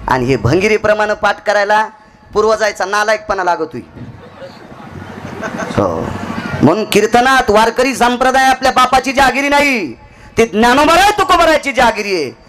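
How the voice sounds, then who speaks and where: A man's voice: high-pitched, big pitch swings, normal speed, slight background noise. A man preaching a devotional kirtan, with folksy humor, calling on listeners by name. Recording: live with loud instrumental music.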